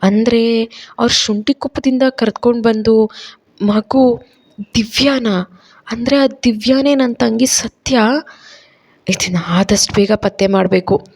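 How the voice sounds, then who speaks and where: A woman's voice: medium pitch, moderate pace, darkish tone, dry recording, studio quality, natural voice. A woman voicing a kind, earnest young woman who talks in eager, rising questions.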